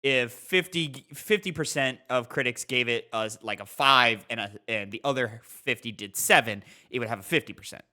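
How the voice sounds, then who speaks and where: Bright, bantering man on a podcast. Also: mid-range voice, moderate pace, few pauses. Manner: sweary. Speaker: podcast co-host. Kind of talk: casual chat, bantering.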